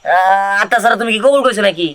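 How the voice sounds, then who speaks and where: A man playing a hurried young eloping lover. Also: high voice, a bit bright, clear, resonant tone. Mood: urging. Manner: urgent, bossy. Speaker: actor in a village comedy short film. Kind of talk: rural comedy drama acting.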